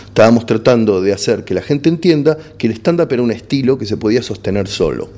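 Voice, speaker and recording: A man's voice: mid-range voice, lively intonation, fast talker, mellow. A middle-aged Argentine man, a stand-up comedian, talking frankly in an interview and often restarting words as he searches for them. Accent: Argentine Spanish. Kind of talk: casual interview chat.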